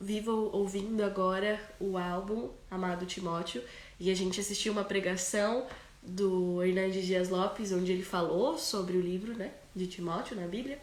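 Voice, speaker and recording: The speech moves at a fairly slow pace, with audible room echo. Noticeable background noise runs underneath. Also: woman. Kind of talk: sermon. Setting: livestream.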